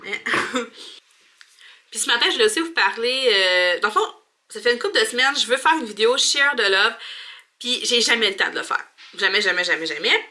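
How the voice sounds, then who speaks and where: Bright-voiced Quebec woman chatting casually. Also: fairly high pitch, lively intonation, brisk, long pauses. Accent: Quebec French. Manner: informal, colloquial, chatty. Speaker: mom vlogger. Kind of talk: casual vlog chat to camera. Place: home bathroom.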